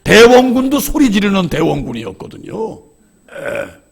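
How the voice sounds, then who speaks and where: A male pastor preaching a sermon with a gravelly, husky voice. He pitches a little high for a man and leaps from near-whispers to shouted emphasis. His storytelling is candid and self-deprecating. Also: big pitch swings, moderate pace. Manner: swings between hushed asides and shouted emphasis. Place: church.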